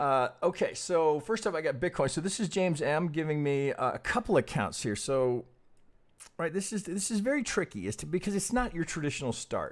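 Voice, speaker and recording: On a very clean recording with a silent background, a man with a high pitch talks at a fairly quick pace with lively intonation. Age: 60s. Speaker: trading analyst streamer. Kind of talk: live stream technical analysis. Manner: halting, many fillers and restarts.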